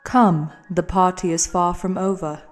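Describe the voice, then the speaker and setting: A man's voice: measured pace, faint music behind. A man putting on a cold masked doorkeeper woman. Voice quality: deep monotone.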